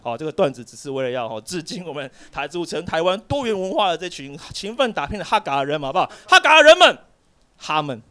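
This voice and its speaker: A young male stand-up comedian with a fairly high voice works a club crowd. He tells a long story and jumps into other people's voices as he goes. His delivery stays lively and animated throughout. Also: quick pace. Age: young adult. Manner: animated storyteller, acts out characters in shifting voices.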